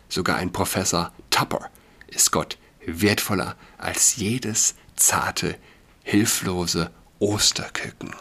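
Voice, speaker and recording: A man voicing a sharp-tongued young man lecturing his sister in an emphatic, impatient way, reading a novel aloud. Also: sits low, gravelly, husky, heavily acted.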